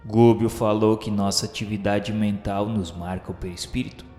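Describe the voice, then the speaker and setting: An actor playing an earnest spirit pupil who recounts a journey in formal, literary radio drama narration. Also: male voice, fairly low pitch, fairly even intonation, moderate pace, mellow, close to an everyday voice. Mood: sombre, descriptive. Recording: echoey hall reverb, music behind.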